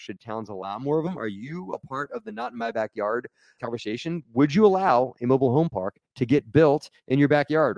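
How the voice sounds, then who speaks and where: A man hosting a podcast, talking to viewers and his guest in an energetic, casual way with quick restarts. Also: mid-range voice, vocal fry, dry recording. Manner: energetic, talks fast with restarts and asides to viewers. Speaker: podcast host. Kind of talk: casual podcast monologue and interview.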